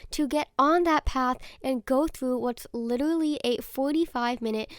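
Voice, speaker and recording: A young woman in her twenties hosting a solo podcast, talking earnestly and openly about herself, a little raspy and congested from a sore throat and stuffy nose. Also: high-pitched, normal speed, no room sound, clean studio sound. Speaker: podcast host.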